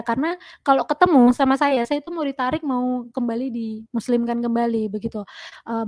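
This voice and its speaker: A woman in her thirties tells her personal testimony in a loose, conversational way. She is animated and fills her pauses with drawn-out "eee" sounds. Her voice sits fairly high, and the recording is dry with little room sound. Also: dry recording. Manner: animated, many fillers. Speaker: testimony guest. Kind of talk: personal testimony, casual storytelling.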